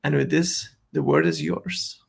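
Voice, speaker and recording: Gravelly-voiced male stream host. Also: a little high, steady tone, measured pace. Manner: friendly, asks short questions. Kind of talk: livestream hosting.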